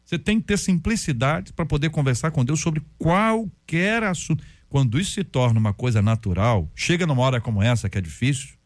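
A man, a pastor, talking about prayer in a relaxed, conversational way and acting out stories and prayers. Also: on the high side, fairly quick, no echo. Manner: storytelling, acts out prayers and quotes. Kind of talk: conversational faith talk.

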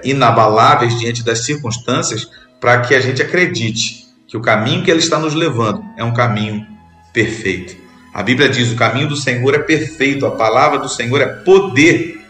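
A man from Brazil preaching a sermon as a bishop, earnest, repeating phrases for emphasis and pausing between them. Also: mid-range voice, a bit bright, reverberant.

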